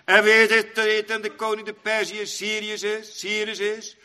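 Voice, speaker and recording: A man preaching a sermon, swinging between loud, sung-out passages and quiet, low asides. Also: monotone, normal speed, clear, resonant tone. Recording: long church reverb.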